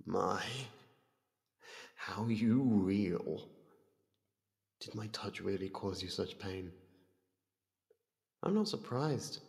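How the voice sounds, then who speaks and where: A man voicing an ancient void entity that calmly toys with its prey in an ASMR roleplay, slow, deliberate and condescending. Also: low-pitched, vocal fry, full character voice. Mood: gloating, solemn. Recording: cavernous long reverb.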